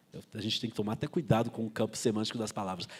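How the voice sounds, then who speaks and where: Here a man is speaking. He has a Belo Horizonte accent. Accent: Belo Horizonte (mineiro) Brazilian Portuguese. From Brazil, Belo Horizonte (Minas Gerais). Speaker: writer and professor. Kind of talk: panel talk at literary festival.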